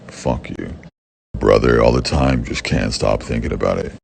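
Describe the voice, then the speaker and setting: A young man with a very deep, raspy voice, answering fan questions in blunt, profane casual talk. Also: normal speed, a little mellow, no room sound. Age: young adult. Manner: blunt and profane, with frequent swearing. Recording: background noise.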